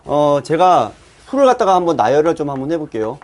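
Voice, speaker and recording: A male math teacher giving a lively lesson to fellow teachers, acting out his students' reactions. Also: fairly high pitch, fairly quick. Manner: lively, acts out students' voices. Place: classroom.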